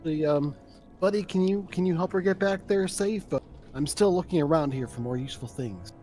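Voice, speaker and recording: A man's voice: fairly high pitch, a little fast, mellow, faint music behind. A man casually narrating his turn as a player in a tabletop board game.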